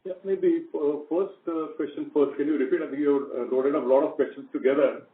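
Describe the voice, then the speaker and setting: A man's voice: on the high side, fairly even intonation, brisk. A man speaking as a company executive, giving unscripted answers on a business call. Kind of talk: spontaneous corporate question and answer. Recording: distant, echoey phone-quality conference line.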